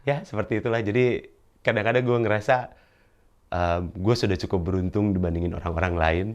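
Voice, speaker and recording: A young man, performing a stand-up storytelling monologue. He acts out the other people in his story with sudden high-pitched shouts. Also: fairly quick, muffled recording. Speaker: stand-up comedian.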